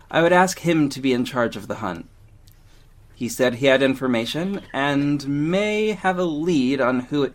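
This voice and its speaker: A man acting in an audio drama as a confident, sharp-tongued gay councilman with a pointed, theatrical manner. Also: medium pitch, natural voice. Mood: businesslike. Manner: theatrical, pointed, biting sarcasm.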